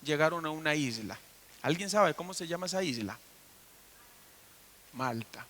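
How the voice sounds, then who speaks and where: A man's voice: a little high, lively intonation, moderate pace, a bit bright. A man preaching a sermon as pastor, telling the story and putting questions to the congregation. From Costa Rica. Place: church.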